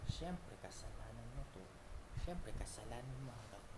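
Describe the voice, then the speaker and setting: A man with a Filipino accent rambles in an unscripted monologue, haltingly, repeating himself and breaking off phrases. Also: fairly low pitch, lively intonation. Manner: halting, repetitive, with broken-off phrases. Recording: echoey room with loud background noise.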